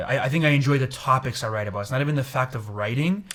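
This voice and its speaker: This man talks at a fairly quick pace with a non-native accent. His pitch varies in an ordinary way. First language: not English. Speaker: interviewer and videographer. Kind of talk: casual interview chat. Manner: animated.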